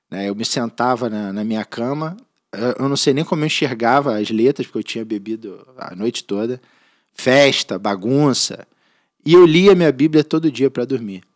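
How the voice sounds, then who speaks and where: Earnest Brazilian man sharing a testimony. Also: mid-range voice. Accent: Brazilian Portuguese. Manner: earnest, heartfelt storytelling with frequent restarts. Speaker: church member and podcast guest. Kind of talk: personal faith testimony in conversation.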